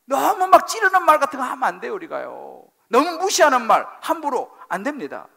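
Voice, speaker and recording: A middle-aged senior pastor with a very high, gravelly, slightly rough voice preaches fairly quickly in a church sanctuary. His sermon is animated and emphatic, repeating phrases and posing questions to the congregation.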